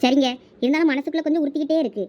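A woman with a Thoothukudi Tamil accent playing a middle-aged village mother who is suspicious and quick to defend herself. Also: high-pitched, steady tone, warm tone, lo-fi sound, lightly acted. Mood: uneasy. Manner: pleading, justifying herself. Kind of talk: village comedy skit acting.

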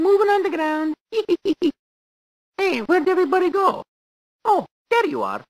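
A man's voice: no echo, full character voice. A man voicing Mario, a cheerful cartoon plumber hero with an exaggerated Italian accent, giggling and cheering on a player learning to type in a video game. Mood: goofy. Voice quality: squeaky, sing-song. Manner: goofy and encouraging, giggly. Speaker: typing tutor guide. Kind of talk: video game character voice lines.

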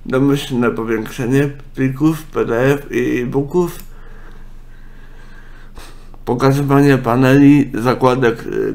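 A man, a congested nose and a speech impediment, giving a casual, halting software walkthrough. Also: mid-range voice. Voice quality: congested, blocked-nose sound; speech impediment, imperfect articulation. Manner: halting, with self-corrections. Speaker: software tutorial presenter.

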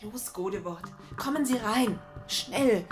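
A woman's voice: fairly high pitch, animated, takes it slowly, over music. A woman playing a dutiful, anxious junior agent in an audio drama. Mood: anxious, hushed.

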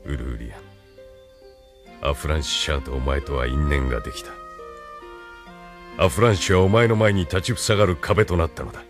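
In this anime radio drama, a cold, calculating colonel with a very deep, measured voice. He lays out orders with an unhurried, commanding weight, and faint music plays behind him. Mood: stern. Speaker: military colonel.

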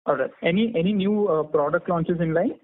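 A man's voice: a little high, a little fast. A man calling in to ask questions on an earnings call. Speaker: investor caller. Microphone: phone. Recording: noisy narrow phone line.

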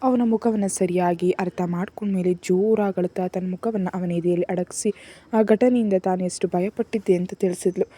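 A woman narrating a serialized romance novel in a steady, soft storytelling manner. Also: fairly low pitch, fairly quick, husky. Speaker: audiobook narrator.

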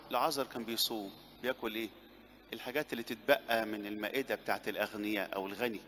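Egyptian male priest, mid pitch, plain conversational sermon delivery, church reverb, faint hiss. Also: pushed and bright. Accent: Egyptian Arabic. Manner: conversational preaching with rhetorical questions and repeated phrases. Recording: long church reverb, faint background noise.

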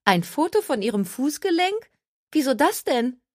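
Woman voicing a curious, high-voiced friend. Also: moderate pace, no room sound, studio quality, close to an everyday voice.

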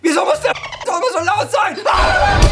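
A hoarse young man doing let's-play commentary, excitable, yelping and laughing as he talks to his viewers. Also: very high voice. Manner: excitable, yelps and laughs, keeps addressing viewers. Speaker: gaming YouTuber. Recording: background music under voice. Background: game music.

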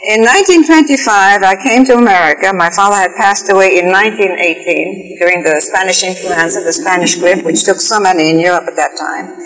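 A woman's voice: medium pitch, a little fast, hardly any pauses, a bit bright. Elderly Swiss-born woman reminiscing, reverberant sound. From Switzerland. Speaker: guest, artist. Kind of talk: recounting life story in a studio interview. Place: TV studio, indoors. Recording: reverberant 1980s TV studio, music behind.

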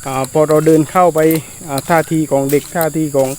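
Man vlogging haltingly over clear insect noise. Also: fairly high pitch, steady tone, a little mellow. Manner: hesitant, repetitive, frequent drawn-out filler pauses. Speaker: soldier vlogger addressing viewers. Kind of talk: casual explanatory vlog talk. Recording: noisy outdoor recording with insect ambience.

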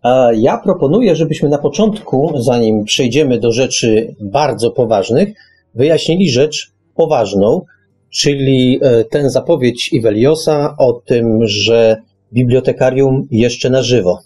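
A man of medium pitch with a somewhat rough, husky voice co-hosts a radio show. He talks casually and haltingly, often repeating a phrase before carrying on. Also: dark tone.

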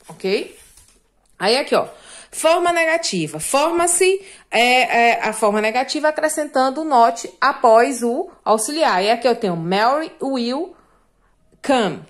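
Patient Brazilian woman teaching English grammar. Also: high voice. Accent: Brazilian Portuguese. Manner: patient, repetitive, asks and answers her own questions. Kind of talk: recorded classroom lesson explaining grammar.

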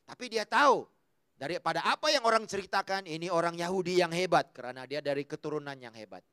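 A man preaching an animated, humorous sermon, acting out voices and swinging between loud calls and quiet asides. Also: a little high, fast, clear, resonant tone, no echo, studio quality. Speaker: pastor. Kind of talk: lively sermon with acted-out quotes.

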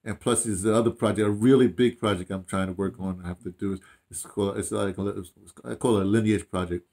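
An older man with an American accent chats casually, telling stories in an animated, rambling way with repeated phrases and slangy asides. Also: lowish voice, fast. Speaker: interviewee, audio dramatist. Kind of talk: casual chat, storytelling. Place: small room indoors, seated.

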